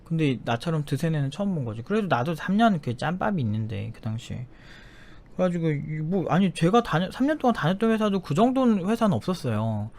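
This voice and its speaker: A young man recounting a bad job interview in loose, casual storytelling. His voice sits a little higher than most men's, and he talks bluntly, swearing freely and acting out the voices of the people he quotes. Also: big pitch swings, fast, darkish tone. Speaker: developer telling a personal story.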